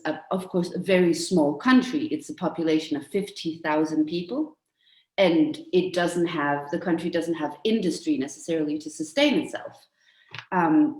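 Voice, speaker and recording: Measured Danish woman in a roomy space. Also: on the low side. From Denmark. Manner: calm, measured, articulate. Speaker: writer, interview guest. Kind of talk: thoughtful interview answers.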